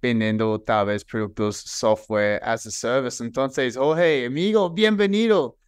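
A man hosting a sales podcast, energetic and chatty, asking long questions with fillers. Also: medium pitch, unhurried, clear, resonant tone, no room sound, studio quality. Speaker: podcast host, sales expert. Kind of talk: upbeat podcast interview.

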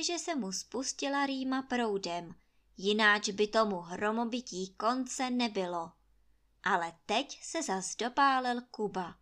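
A woman storyteller reading a fairy tale aloud in a lively, expressive way. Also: mid-range voice.

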